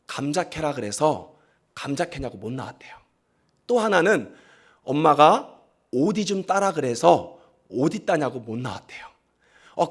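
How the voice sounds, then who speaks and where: A pastor preaching a sermon, telling stories with lively drama and acting out the people he quotes, often speaking straight to the congregation. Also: on the high side, husky. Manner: animated storytelling, acts out quoted voices; talks straight to the congregation, asks them to repeat.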